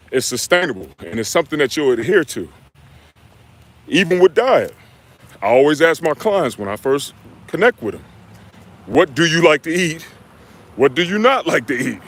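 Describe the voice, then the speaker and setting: A young man from the United States, a fitness coach answering viewers' questions on a live stream in a relaxed, slangy way. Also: medium pitch. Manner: laid-back, slangy, talks straight to viewers with "y'all" and "man". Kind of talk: live stream Q&A, reading chat comments.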